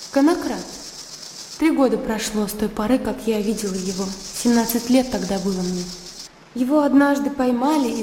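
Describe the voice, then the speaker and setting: An actress playing a willful young lady, blunt and scornful, high voice, roomy reverb, music underneath. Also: warm tone, a little hiss or hum, close to an everyday voice. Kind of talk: radio drama acting.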